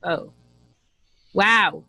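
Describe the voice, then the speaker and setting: A woman's voice: medium pitch, very slow, vocal fry, sharp tone. A woman hosting a casual interview as a voice coach, chipping in with short reactions. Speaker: interview host and voice-over coach.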